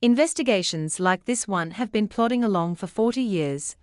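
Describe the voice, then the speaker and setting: A woman's voice: mid-range voice, expressive, normal speed, no echo, clean studio sound. A woman reading a scripted passage aloud for exam practice.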